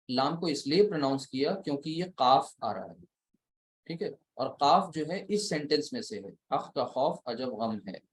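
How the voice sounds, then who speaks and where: A man teaching Arabic grammar in a slow, deliberate lecture, counting letters one by one as he writes them on a board, with a South Asian Urdu-Hindi accent. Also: on the high side, poor audio. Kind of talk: recorded lecture at a writing board.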